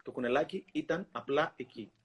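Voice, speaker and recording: A man hosting a talk, reading a children's book aloud in an expressive storytelling way and pausing to comment. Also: medium pitch, background noise. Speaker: host.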